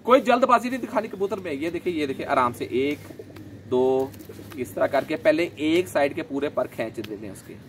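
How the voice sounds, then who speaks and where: A man, gently explaining his pigeon keeping in a casual vlog, a little hoarse from a sore throat. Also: on the high side, slight background noise. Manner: chatty, gentle, explains while handling birds. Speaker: pigeon keeper vlogger. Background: pigeons cooing.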